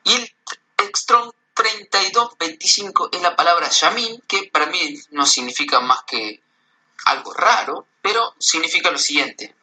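A man with a sharp, very bright voice and a slightly high pitch reads out lists of words and their meanings. He goes slowly and haltingly, like a casual voice message. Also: low-quality recording. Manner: reads slowly, spells out terms, hesitant. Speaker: researcher sending voice messages.

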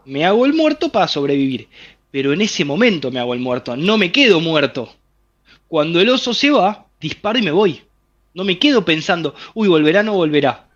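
A man's voice, on the high side and fairly bright, rises and falls in a sing-song way at a moderate pace, though the audio is dull. His accent is Rioplatense Spanish, and he explains a health theory in an interview with animation, speaking straight to the listener through vivid scenarios from everyday life.

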